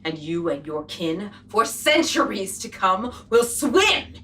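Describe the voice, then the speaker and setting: A woman playing a feisty, sharp-tongued shopkeeper in a post-apocalyptic comedy audio drama. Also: mid-range voice, sing-song, slow pace, a little hiss or hum, heavily acted. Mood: menacing.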